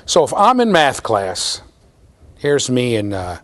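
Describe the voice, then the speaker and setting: A man with a low voice giving a classroom lecture, talking straight to the students in a lively, conversational way. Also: slow. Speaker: university lecturer.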